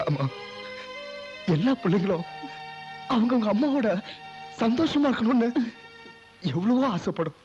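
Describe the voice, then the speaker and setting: A man's voice: extremely high pitch, lively intonation, a little slow, pauses often, darkish tone, lo-fi sound, soft background music. An actor playing a grown son who pours out bitter, anguished words about his birth mother. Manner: passionate, anguished outbursts.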